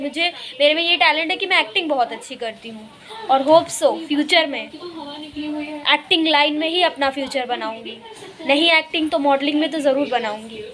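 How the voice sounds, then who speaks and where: A young woman vlogging outdoors in a rainy park, talking defiantly to camera about negative commenters. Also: high-pitched. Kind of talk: casual vlog talk to camera.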